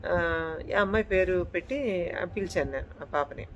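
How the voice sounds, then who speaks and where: A woman's voice: on the low side, moderate pace, lo-fi sound, a little hiss or hum. A woman and channel host telling a true horror story in casual speech, repeating her phrases and addressing listeners politely.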